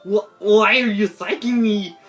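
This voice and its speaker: A woman voicing a proud, prickly, easily flustered schoolgirl, loud and defensive with drawn-out, stammered words. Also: medium pitch, soft background music, pitched above the performer's own voice, lightly acted.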